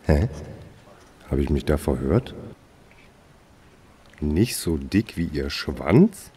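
Weary police dispatcher, sarcastic, very deep voice, lively delivery. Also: male voice, slow, husky, heavily acted. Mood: sardonic. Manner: dry, sarcastic. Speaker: police emergency call operator. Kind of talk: radio play with narration.

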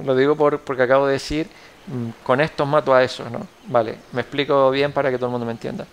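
A man's voice: medium pitch, flat delivery, fast talker, clear, resonant tone. A young man with a Canarian Spanish accent, giving casual gameplay commentary as he plays, rambling and correcting himself as he thinks aloud. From Canary Islands, Spain. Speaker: gameplay tutorial host.

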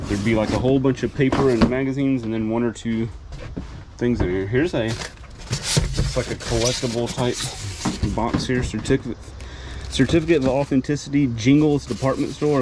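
A man casually narrating as he sorts through boxes inside a storage container, thinking aloud in an easygoing way, recorded on a body-worn camera. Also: mid-range voice. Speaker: storage auction reseller. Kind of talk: casual unboxing commentary. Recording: noisy handheld outdoor recording.

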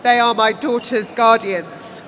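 A woman voicing a grave, grieving queen, measured, deliberate and coolly intent, in an audiobook. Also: fairly high pitch, steady tone, fairly bright tone, in a large hall, a little hiss or hum, poor audio. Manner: slow, deliberate.

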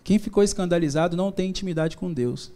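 On an event stage before an audience, a business speaker gives a live motivational talk that is informal and joking, blending faith, business stories and slang. His voice is high-pitched and warm, and he talks fast.

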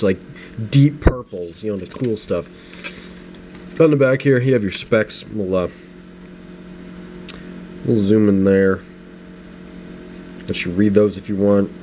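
Low-voiced man, sniffly and rambling. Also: warm tone. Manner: rambling, self-deprecating, many restarts and asides. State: low energy, getting over the flu, sniffly. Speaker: knife reviewer. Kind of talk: casual unscripted product review. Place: home desk at night. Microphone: camera mic, hands-only framing. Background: space heater hum.

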